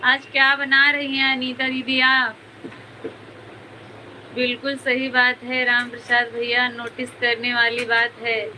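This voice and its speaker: A woman's voice: a little high, monotone, slow, pushed and bright. A woman hosting a casual live stream from home, chatting with viewers and greeting them by name. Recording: noisy home ambience behind the voice.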